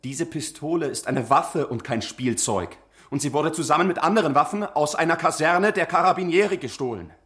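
An actor dubbing a stern, stubborn academic husband who speaks in an insistent way. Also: male voice, on the high side, brisk, fairly bright tone, natural voice. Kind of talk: dubbed series dialogue.

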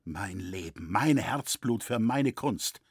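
A man's voice: fairly low pitch, expressive, takes it slowly, breathy edge, no room sound, studio quality, heavily acted. A man reading a proud steadfast master builder. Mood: firm. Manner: firm, solemn.

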